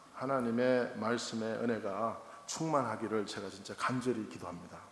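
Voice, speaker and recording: A man at a moderate pace with a non-native accent, fairly even intonation and audible room echo. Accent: Korean spoken as second language, non-fluent. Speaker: pastor. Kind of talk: sermon. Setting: church.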